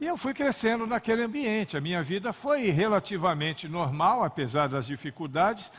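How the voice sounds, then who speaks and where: Speaking at a moderate pace, a man uses very wide pitch swings. He talks with a São Paulo accent. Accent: Brazilian Portuguese, paulistano. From Brazil, São Paulo city (East Zone). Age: 60s. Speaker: pastor. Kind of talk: sermon. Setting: church.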